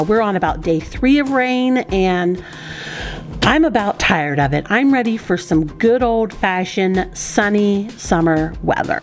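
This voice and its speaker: Very wide pitch swings from a woman at medium pitch, fairly slow in pace, over noticeable background noise. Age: 50s. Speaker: stay-at-home mom and cleaning vlogger. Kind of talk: casual voiceover for cleaning vlog. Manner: friendly, chatty.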